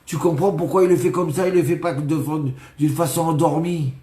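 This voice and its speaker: A man's voice: on the high side, steady tone, fairly quick, mellow, echoey room. A man, a rabbi, preaching by telling a story and acting out its dialogue. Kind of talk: storytelling sermon.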